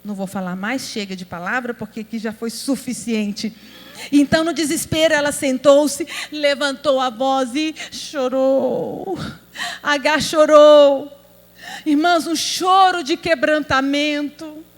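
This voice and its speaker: Woman pastor, high voice, emphatic sermon delivery, convention hall reverb with a faint hum. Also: steady tone, unhurried. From Brazil. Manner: emphatic, rhetorical questions to the audience.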